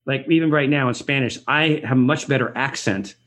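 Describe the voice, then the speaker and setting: A man's voice: medium pitch, fairly quick, a bit bright. A middle-aged man as an interview guest, talking in a rambling, reflective way with frequent restarts. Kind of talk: conversational podcast interview. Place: Los Angeles area.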